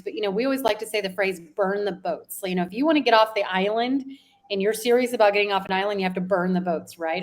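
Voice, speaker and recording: A woman hosting an interview show in an enthusiastic, encouraging way. She keeps her guest talking with warm praise and follow-up questions in a mid-range voice. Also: medium pitch. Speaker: podcast host, interviewer.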